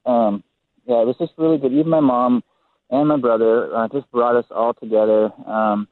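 A man's voice: medium pitch, fairly even intonation, normal speed, no echo. A man from San Diego calling in to a radio talk show, his voice muffled as if through a wall, speaking hesitantly with many ums. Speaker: phone-in guest. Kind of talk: casual radio chat. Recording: muffled tinny phone line.

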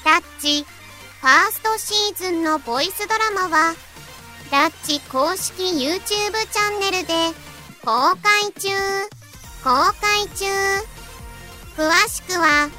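A tiny cute mascot with an extremely high, childlike voice. The announcement is slow and singsong, over loud, playful children's music. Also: female voice, animated. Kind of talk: scripted promotional announcement.

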